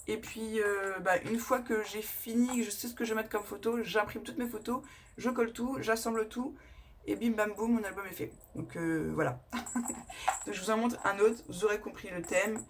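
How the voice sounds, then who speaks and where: A woman's voice: mid-range voice, steady tone, moderate pace. Woman vlogger, mid-range voice, chatty and rambling, casual haul talk, faint noise behind. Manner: chatty and rambling, with frequent self-corrections and laughs; enthusiastic, showing items to the camera. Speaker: scrapbooking vlogger.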